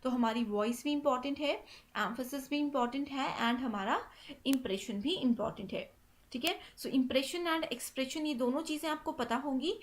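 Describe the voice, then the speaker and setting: A woman's voice: high-pitched, normal speed. A woman teaching an exam-prep lesson, mixing English terms into Hindi and checking in with "theek hai" after each point. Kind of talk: explaining exam questions.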